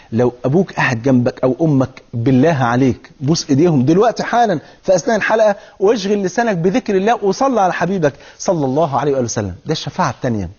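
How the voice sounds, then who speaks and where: A man's voice: on the high side, darkish tone, breathy edge, dull audio. A man with an Egyptian Arabic accent delivering a televised religious sermon, speaking fervently and putting rhetorical questions straight to his viewers. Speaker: preacher.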